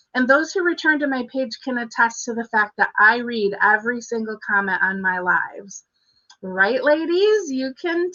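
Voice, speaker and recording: At a moderate pace, a woman with a high pitch speaks in an animated tone, her pitch swinging very widely. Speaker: card-making demonstrator. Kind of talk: live-stream tutorial. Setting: home studio live stream. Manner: loud.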